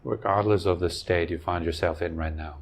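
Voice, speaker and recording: A man with a low voice guides a meditation in short, gentle phrases. He leaves long, unhurried pauses between instructions. There is clear ambient noise behind him. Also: fairly even intonation. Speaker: meditation teacher.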